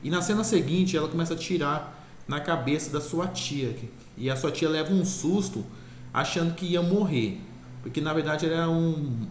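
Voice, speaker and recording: Man retelling a cartoon plot, echoey room. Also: on the high side. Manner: rambling, self-correcting, repeats "é claro". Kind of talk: casual spoken retelling. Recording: echoey room, faint ambient noise.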